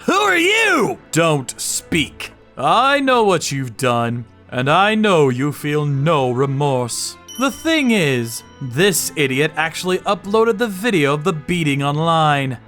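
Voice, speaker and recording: A man narrates a dark manga dub with grim deliberation. His pace is slow and his tone bright and forceful, over soft background music. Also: fairly high pitch, sing-song. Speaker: narrator and lead character, a torture sommelier. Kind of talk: scripted dramatic first-person narration for manga dub.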